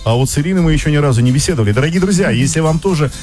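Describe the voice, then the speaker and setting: A man hosting a radio interview in a studio, quick and teasing. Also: on the high side, lively intonation, a little mellow, faint music behind. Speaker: radio host.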